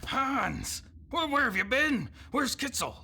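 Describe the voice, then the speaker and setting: An actor playing a boastful, loud male errant who brawls with an oar, in a noisy recording. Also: very high-pitched, big pitch swings, slow, gravelly, slightly rough, heavily acted. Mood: frantic shouting. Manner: loud, swaggering bluster.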